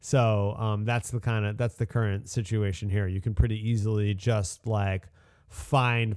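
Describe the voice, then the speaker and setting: In a very clean recording with a silent background, a normal speaking voice moves at a fairly slow pace. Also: man. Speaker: podcast co-host. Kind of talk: casual chat.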